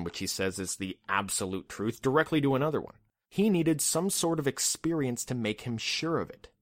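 A man's voice: fairly high pitch, no echo. A man hosting a podcast, telling a history story in a casual, wry way with lots of asides. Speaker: podcast host.

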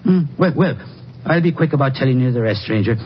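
An actor playing a feisty, talkative old farmer with folksy rural speech in a 1950s radio western. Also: male voice, medium pitch, animated, fairly quick, lightly acted. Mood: eager, rambling. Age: older. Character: feisty, talkative old farmer eager to tell his tale. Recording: dull, hissy 1950s radio recording.

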